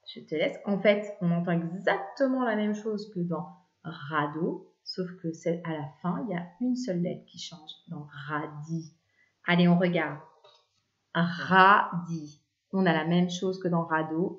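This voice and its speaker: A woman teaching children to spell two-syllable words, explaining slowly and patiently syllable by syllable. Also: fairly low pitch. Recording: echoey room, dull lo-fi sound.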